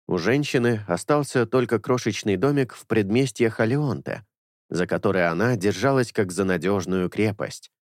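A man narrating an audiobook in a measured storytelling manner. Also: lowish voice, no echo, clean studio sound.

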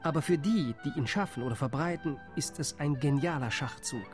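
A man voices an aggrieved Arab spokesman in a radio play. His voice sits fairly high and his argument is cutting and bitter. Soft music plays faintly underneath. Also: a little fast, lightly acted.

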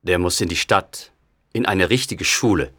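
Gruff storybook father, deep and stern, read by a man; dry, close read. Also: moderate pace, a bit bright, dry recording. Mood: resigned. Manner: gruff, scolding. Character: stern angry village father, middle-aged man. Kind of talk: audiobook story voice.

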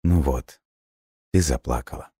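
A man voicing a gentle, dying ghost boy who speaks softly and wearily in a hushed, breathy voice. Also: rumbling low, steady tone, moderate pace, no room sound, clean studio sound. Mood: tender, hushed.

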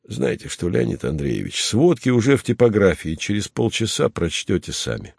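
A man's voice: lowish voice, wildly swooping pitch, moderate pace, gravelly, a little mellow, slightly rough, no echo, clean studio sound, full character voice. A man reading a patient, ironic base commander. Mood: matter-of-fact. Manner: patient, matter-of-fact, slightly ironic. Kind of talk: audiobook character reading.

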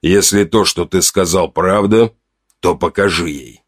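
A man voicing a weary, stern old tribal chief who speaks low and muffled. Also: a little slow. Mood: grave.

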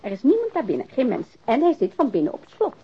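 Brisk, husky, teasing woman, radio play. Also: high-pitched, heavily acted. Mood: eager. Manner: teasing, lively, forthright. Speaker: radio drama actor. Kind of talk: radio drama dialogue. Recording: dull lo-fi old radio recording.

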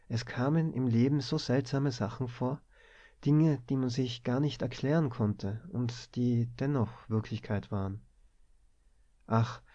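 Calm male audiobook narrator, lo-fi. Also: mid-range voice. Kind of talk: scripted narration of a novel. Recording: dull lo-fi recording.

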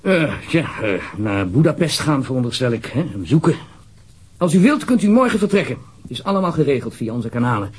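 A man's voice: mid-range voice, very animated, fairly quick, breathy edge. A man with a Netherlands Dutch accent playing an uneasy, formal government official in a radio drama, wordy and hesitant. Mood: businesslike, urgent.

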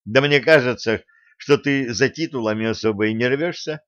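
A man voicing a hot-tempered older male fencing coach who scolds loudly in an audiobook reading. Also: mid-range voice, moderate pace, no echo, highs cut off, natural voice. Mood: exasperated. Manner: scolding, loud, exasperated.

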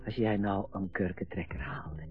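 A man's voice: low-pitched, level tone, moderate pace, lightly acted. A man acting in a radio drama, playing a chatty, eager middle-aged father proudly showing off his home. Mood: jovial, eager. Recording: muffled radio play recording, faint music.

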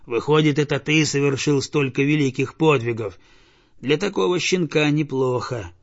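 A man's voice: fairly high pitch, normal speed. A man voicing a grumpy old chained farm dog that barks and threatens. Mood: grumbling. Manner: barking, gruff, threatening. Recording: dull lo-fi recording.

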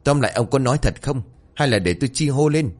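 A man voicing a suspicious old village woman who scolds and threatens loudly. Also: mid-range voice, lively intonation, brisk, lightly acted. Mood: scolding.

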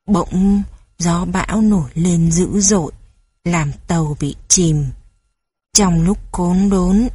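Woman, children's story reader, gentle, mellow, husky. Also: fairly low pitch, dry recording.

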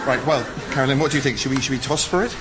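A man's voice: mid-range voice, rapid-fire, over a noisy crowd, very noisy, close to an everyday voice. An actor playing a flustered, earnest, put-upon man with a hesitant stammer in a radio comedy. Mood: anxious, dismayed. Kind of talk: scripted radio comedy acting.

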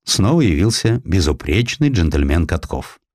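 Male audiobook narrator, low pitch, lively intonation, dramatic storytelling, dry close sound. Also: unhurried, dry recording. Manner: expressive storytelling.

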